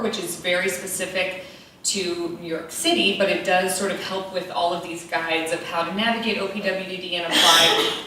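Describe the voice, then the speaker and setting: A woman on a panel explaining resources in a measured, informative way with frequent ums. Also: on the low side, bright, forceful tone, a little hiss or hum. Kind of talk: panel discussion. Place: event hall. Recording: echoey hall from far off.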